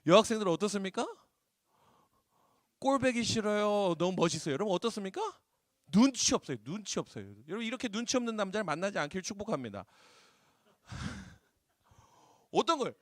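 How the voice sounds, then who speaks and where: A man preaching a sermon to high school students as their youth pastor, animated, asking them questions and acting out voices. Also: normal speed, long pauses, dry recording, studio quality. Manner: animated, acts out voices, asks the crowd questions. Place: church hall.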